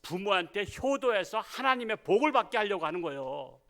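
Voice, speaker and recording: Guy preaching a sermon, high pitched, folksy, plays out little family scenes. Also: sing-song, brisk, sharp tone. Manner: folksy preaching, acts out quoted family dialogue. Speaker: pastor.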